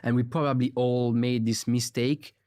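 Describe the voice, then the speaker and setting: A man from Switzerland hosting a podcast, speaking in a relaxed, reflective way and asking long questions. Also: mid-range voice, normal speed, no room sound. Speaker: podcast host. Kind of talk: interview conversation.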